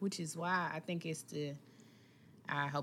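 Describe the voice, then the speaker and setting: This bright, sharp voice keeps a fairly even intonation on a very clean recording with a silent background. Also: woman. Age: 30s. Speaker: therapist and podcast co-host. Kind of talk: casual chat.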